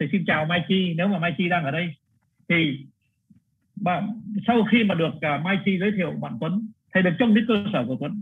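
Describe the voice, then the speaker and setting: Fairly quick, high-pitched speech from a man, its pitch varying in an ordinary way. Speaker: author and speaker. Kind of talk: panel discussion. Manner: halting, many fillers.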